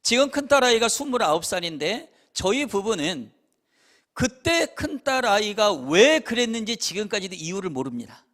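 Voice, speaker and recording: A man's voice: high-pitched, normal speed. A man in his fifties, a pastor, preaching a revival sermon in a church and telling stories as he acts out parents and children. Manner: animated storytelling, acting out parents and children. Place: church sanctuary.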